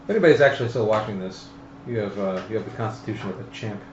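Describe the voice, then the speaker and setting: A man's voice: on the low side, racing. A man explaining game rules in casual table chat, a little hesitant as he thinks aloud. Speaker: player explaining board game rules on a live stream. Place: room around a game table, live stream. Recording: muffled, noisy, echoey room recording.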